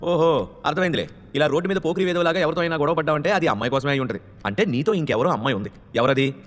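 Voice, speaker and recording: A man's voice: a little high, animated, very fast, breathy edge, big-room sound. A man voicing a proud, angry young woman from a wealthy family who answers sharply and dismissively.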